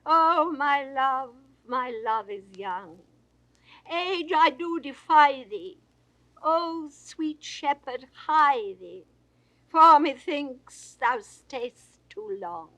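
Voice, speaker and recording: An older woman reads classical dramatic verse in a high, slow, expressive voice, giving a grand theatrical performance of sweeping swells and hushed falls. The dry 1960s studio recording has no room sound and its highs are cut off.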